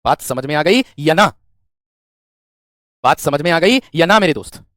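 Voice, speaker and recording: A man's voice: fairly high pitch, expressive, measured pace, fairly bright tone, no room sound, clean studio sound. A man teaching an exam-prep grammar lesson, asking the class questions and answering them himself, repeating key phrases. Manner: repeats phrases, often says "my friend".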